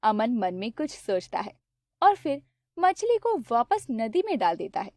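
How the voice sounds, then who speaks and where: A woman narrating a cartoon story in a steady, plain storybook way. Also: fairly high pitch, measured pace, no room sound, clean studio sound.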